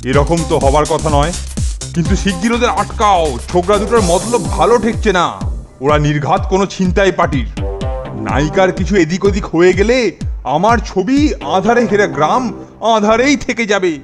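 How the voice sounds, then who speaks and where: A man playing an excitable, self-important film director in a comic cartoon, flustered and dramatic. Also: sits high, moderate pace, music in the background, lightly acted. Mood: alarmed.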